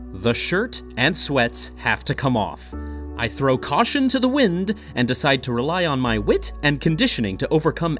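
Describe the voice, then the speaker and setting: Male narrator, theatrical and mock-serious, lively swooping intonation for scripted comedy, light music underneath. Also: medium pitch. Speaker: humorous reader of an online classified ad. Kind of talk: dramatic reading, scripted comic narration.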